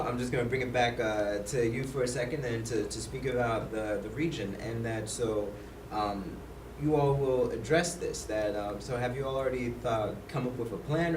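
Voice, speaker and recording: A man's voice: mid-range voice, normal speed. A man hosting a talk show, hesitant and agreeable, with lots of fillers. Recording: roomy, distant mic with loud noise.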